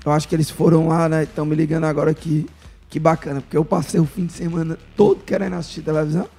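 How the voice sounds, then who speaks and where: A man with a Northeastern Brazilian accent from Ceará hosts a casual live sports chat, his voice hoarse and raspy like a smoker's. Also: a little high, level tone, rapid-fire, mellow, faint music behind. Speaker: sports podcast host.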